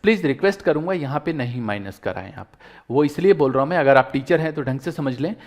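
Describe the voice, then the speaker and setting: A man's voice: fairly high pitch, lively intonation, fast talker. A man teaching accounts in an online lecture, earnest and encouraging, pleading with students and fellow teachers as he explains each step. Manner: earnest, pleading and encouraging, mixing English terms into Hindi.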